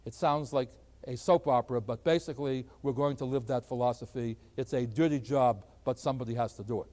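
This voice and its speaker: A middle-aged man lecturing as a math professor, animated and emphatic, with folksy asides to his students. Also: medium pitch, a little fast. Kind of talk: classroom lecture.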